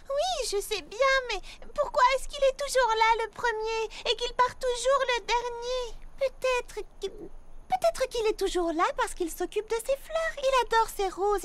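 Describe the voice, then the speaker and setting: A woman voicing a sweet, earnest, emotional little girl in an expressive French cartoon dub. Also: very high-pitched, a little hiss or hum.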